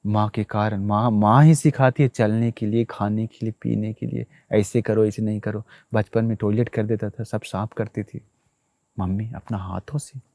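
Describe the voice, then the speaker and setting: A man with a low, mellow voice delivers a sermon. He tells a story plainly and keeps repeating key phrases, turning often to address his listeners. The recording is dry and close. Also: steady tone, normal speed, gravelly, no echo. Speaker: Buddhist monk preacher.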